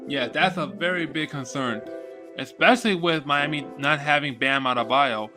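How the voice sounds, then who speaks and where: A man co-hosting a casual sports talk show, giving short agreeing replies and steady analysis. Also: a little high, normal speed, soft background music. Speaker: sports podcast co-host.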